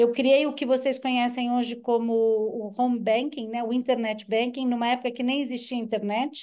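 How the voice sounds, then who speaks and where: A woman speaks at a high pitch with a dark, mellow tone and a monotone, flat intonation. She keeps a moderate pace with hardly any pauses. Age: 60s. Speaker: engineer and business consultant. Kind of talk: webinar talk. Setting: online webinar.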